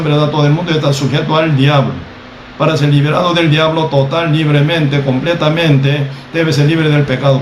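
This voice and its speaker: A male preacher delivers a measured sermon, speaking with a slightly higher-than-usual voice. He keeps checking in with his listeners as he teaches. The recording sounds roomy and echoey, with faint ambient noise behind him. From Costa Rica. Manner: measured, repeats "¿verdad?" often.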